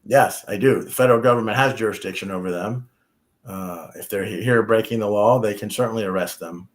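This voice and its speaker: A man's voice: on the low side, brisk. A man from the United States, an immigration attorney giving practical advice on a talk show, often restarting his sentences. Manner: practical, repeats himself when starting sentences.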